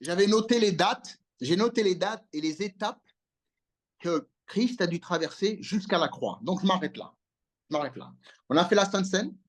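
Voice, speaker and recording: Passionate preacher on a video call, wide-ranging pitch, drives call-and-response. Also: animated, moderate pace. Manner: emphatic call-and-response preaching, asking for amens. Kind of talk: impassioned sermon over a video call.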